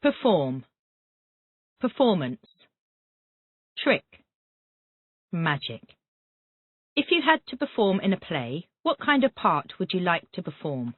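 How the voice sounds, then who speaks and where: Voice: medium pitch, wildly swooping pitch, dry recording. An English teacher running a Callan method drill, reading out vocabulary words and asking short repetitive questions. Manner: reads words then asks quick repetitive questions. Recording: tinny phone-like dry audio.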